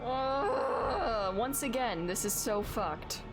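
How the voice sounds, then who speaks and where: A woman's voice: on the high side, huge pitch swings, drawn-out words, poor audio. A woman giving casual, reactive commentary as they play through a video game. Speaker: gamer reacting to a playthrough. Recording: loud game music behind the voice.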